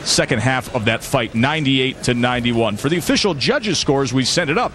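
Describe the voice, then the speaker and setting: A man's voice: medium pitch, animated, fairly quick, fairly bright tone. A man giving live boxing commentary for a television sports broadcast.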